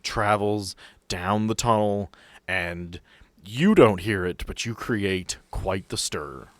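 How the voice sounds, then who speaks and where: A man serving as game master narrates a tabletop role-playing game, descriptive and explanatory, with asides. His voice is on the low side with lively intonation and a slow pace, and there is no room sound.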